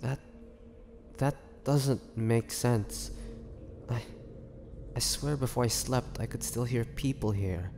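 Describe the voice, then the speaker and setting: Man playing a slow, gravelly imprisoned vampire, echoing. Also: mid-range voice, darkish tone. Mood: confused. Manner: slow, halting, brooding delivery with pauses. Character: weary, imprisoned ancient male vampire, groggy and menacing. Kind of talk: dramatic audio roleplay acting. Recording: long cavernous reverb, background noise.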